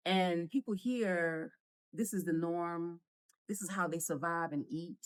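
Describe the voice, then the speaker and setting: A middle-aged woman from Nigeria with an American accent, a guest chatting in an interview, animated and quick to laugh. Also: on the low side, smooth, no room sound. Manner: animated, laughs often, repeats words when starting. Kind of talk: casual interview conversation.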